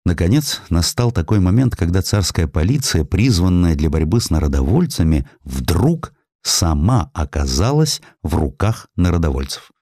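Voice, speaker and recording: A man narrating historical prose as an audiobook reader, in an expressive, theatrical storytelling manner. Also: low-pitched, normal speed, no echo, studio quality.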